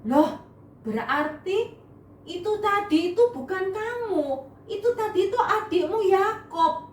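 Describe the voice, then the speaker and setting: A woman voicing Isaac, an old father who gently explains in a story for children. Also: very high voice, expressive, measured pace, a little hiss or hum, pitched above the performer's own voice. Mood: gentle. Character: old blind father, calm and sorry. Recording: echoey room, mic far off.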